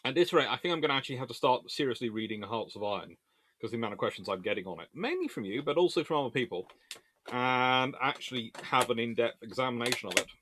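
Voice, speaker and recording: A man's voice: mid-range voice, animated, fast, bright, forceful tone, slight background noise. A man hosting a casual question-and-answer session, rambling and hesitant as he thinks aloud. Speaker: host answering viewer questions.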